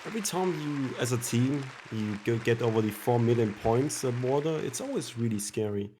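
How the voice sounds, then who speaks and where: A man's voice: medium pitch, lively intonation, moderate pace, warm tone, a faint crowd, a little hiss or hum. A man with an Austrian accent doing casual commentary on a game tournament, chatty and full of restarts. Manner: chatty, restarts and fillers, laughs easily. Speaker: esports commentator. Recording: game music playing underneath.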